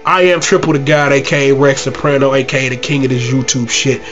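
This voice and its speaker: A man's voice: medium pitch, steady tone, brisk, a bit bright, dull audio, soft background music. A congested man hosting his own gaming channel, talking casually in a brash, trash-talking, slangy way. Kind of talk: casual gaming vlog outro.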